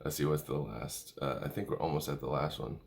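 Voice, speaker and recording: A man's voice: very deep voice, fairly quick, vocal fry, heavy background noise. A man presenting an informal music tutorial, talking through notes hesitantly as if thinking aloud. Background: musical instrument playing.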